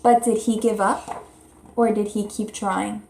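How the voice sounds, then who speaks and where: A woman teacher reading a children's story aloud expressively and pausing to explain and ask questions in simple, child-directed language. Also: medium pitch, level tone, creaky, a little mellow, slight background noise. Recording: roomy, echoey indoor sound.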